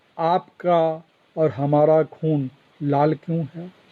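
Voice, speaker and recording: A man speaks with a Jharkhand accent at a high pitch. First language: Kurukh (speaking Hindi). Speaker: poet. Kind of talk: poetry reading.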